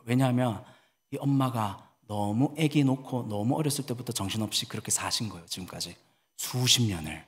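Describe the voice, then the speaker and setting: A man preaching a sermon as a pastor, telling a story in a lively way and acting out the people he quotes. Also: mid-range voice, big-room sound.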